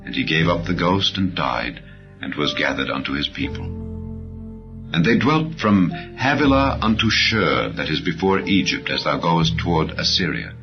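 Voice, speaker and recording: A man reading scripture as an audiobook narrator, in a solemn, measured manner with phrases that fall at the end. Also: low-pitched, very animated. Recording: slightly dull audio under clear music. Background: background music.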